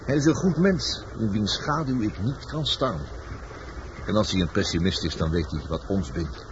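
An actor in a Dutch radio play playing a world-weary, blunt lover and sailor, terse and fatalistic. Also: male voice, on the low side, moderate pace, lightly acted. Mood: urgent, decisive. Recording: dull, noisy old radio drama recording.

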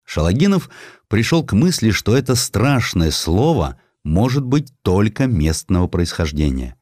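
A man reading scripted historical narration theatrically, measured, with weighty pauses. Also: lowish voice, big pitch swings, a little mellow, dry recording. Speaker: narrator, audiobook performer.

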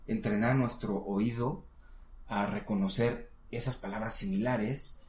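A man's voice: lowish voice, steady tone, a little mellow. Guy w coaching english sounds, patient, roomy echo. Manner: patient, coaching, models words slowly. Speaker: English teacher. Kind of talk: casual one-on-one lesson.

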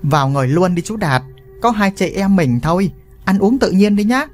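A man's voice: high voice, expressive, moderate pace, faint music behind, pitched above the performer's own voice. A man putting on a brash flirty village woman. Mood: fawning.

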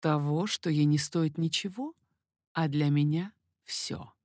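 Brief: woman reader playing an ardent king, lowered slow voice, confident and persuasive. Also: a little mellow, no room sound, studio quality. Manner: low, slow, insistent. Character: amorous middle-aged man, a king, confident and ardent.

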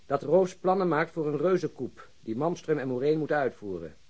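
An actor playing a matter-of-fact police detective who explains a case drily in a Dutch radio crime drama. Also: male voice, fairly high pitch, lively intonation, fairly quick, darkish tone. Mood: wry, explaining.

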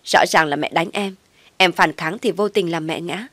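A woman's voice: on the low side, normal speed, no echo. A woman voicing a defiant young pregnant daughter-in-law who argues back sharply. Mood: indignant. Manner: sharp, argumentative.

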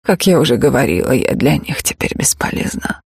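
A man voicing a weary, cautious East German woman who talks softly and breaks off mid-sentence, in a gravelly voice. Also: mid-range voice, sing-song, brisk, no echo, clean studio sound, heavily acted. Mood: guarded.

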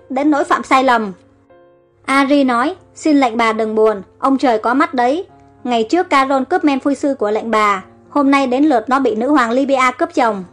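Female audiobook narrator, high-pitched, reads all the parts herself over faint music. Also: fairly bright tone. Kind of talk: audiobook story reading.

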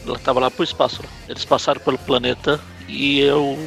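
A man's voice: mid-range voice, level tone, brisk, vocal fry, a bit bright, soft background music. A Brazilian man with a Brazilian Portuguese accent, co-hosting a casual comic book podcast, joking and adding trivia he looks up. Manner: jokey, looks things up, adds trivia. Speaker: podcast co-host.

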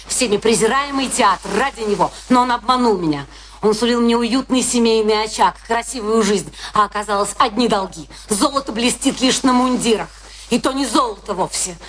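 An actress playing a bitter, vengeful, proud wife in a radio play, with theatrical, scornful, emphatic delivery. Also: female voice, a little high, a little fast, fairly bright tone, close to an everyday voice. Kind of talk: Russian radio play acting. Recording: noisy old radio drama recording with clicks.

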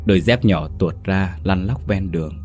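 Deep-voiced man narrating a mournful tale. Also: moderate pace, darkish tone, faint music behind. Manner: solemn, mournful storytelling. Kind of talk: scripted narration of a tragic ghost story.

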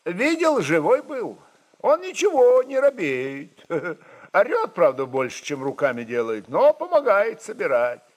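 A man voicing a rough, plain-spoken Cossack fighter reporting to his chief in a literary radio drama. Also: sits high, huge pitch swings, a little slow, voice pushed up, exaggerated voice. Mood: amused.

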